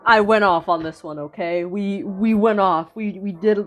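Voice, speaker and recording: A woman's voice: mid-range voice, normal speed, faint music behind. A young woman giving casual, giggly commentary while reading AI-written fanfiction aloud, swearing and restarting sentences often. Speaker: video creator.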